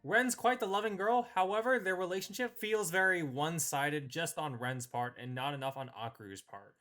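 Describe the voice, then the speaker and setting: A man's voice: on the high side, a bit bright. A man hosting a casual ranked-list review, giving opinionated commentary on characters.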